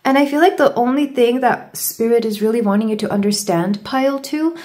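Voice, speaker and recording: A woman speaking briskly, with a fairly high and slightly mellow voice, gives her viewers a tarot reading. A sore throat leaves her sounding congested, and she stumbles as she talks.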